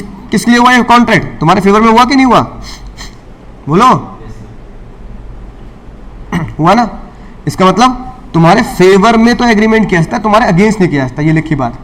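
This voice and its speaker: A middle-aged man with a fairly high voice lectures a classroom on law. He quizzes the students and answers his own questions, repeating key points. He slips English legal terms into Hindi and teases the class now and then.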